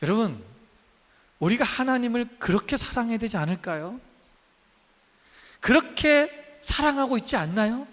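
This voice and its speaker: A man's voice: very high voice, animated, normal speed, long pauses, fairly bright tone, big-room sound. A man in his fifties, a pastor preaching a sermon in a church, emphatic and full of questions to the congregation. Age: 50s. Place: church sanctuary.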